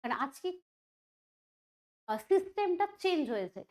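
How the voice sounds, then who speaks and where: Lady teacher going thru quiz questions, high voice, chatty, lots of fillers. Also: very animated, moderate pace, darkish tone. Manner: chatty, thinking aloud with fillers; asks students questions. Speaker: exam prep teacher. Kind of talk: online quiz lesson.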